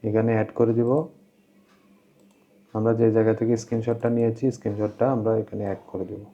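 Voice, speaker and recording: A man's voice: fairly low pitch, flat delivery, a little fast, mellow, a little hiss or hum. Slightly dull-sounding male tutorial presenter. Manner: repeats instructions, plain explanatory delivery. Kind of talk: informal step-by-step screen tutorial. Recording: dull, lo-fi voice-over.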